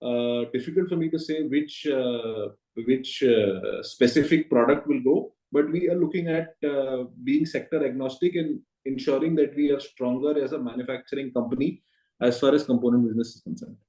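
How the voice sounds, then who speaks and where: Mellow Indian man in a roomy space. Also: mid-range voice. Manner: measured, hesitant, explanatory. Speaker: company executive. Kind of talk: earnings call answers. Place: conference call. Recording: roomy echoing conference call audio.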